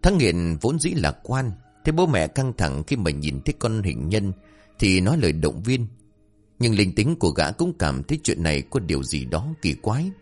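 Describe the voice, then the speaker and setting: A man narrating a horror story dramatically, swinging between tense and hushed delivery. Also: low voice, very animated, moderate pace, soft background music.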